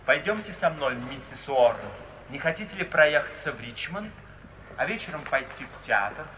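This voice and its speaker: An actor playing a flippant, charming young idler in a 1950s radio play, playfully mock-gallant and theatrical. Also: male voice, a little high, lively intonation, moderate pace, sharp tone. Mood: wry. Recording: echoey, distant old radio recording, hiss.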